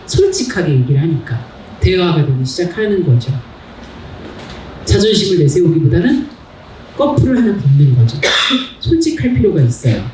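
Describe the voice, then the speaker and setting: A middle-aged woman giving a public lecture in a hall, animated and asking the audience questions. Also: lowish voice, moderate pace, pauses often, far from the mic, slight background noise. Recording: echoey hall, mic heard from afar.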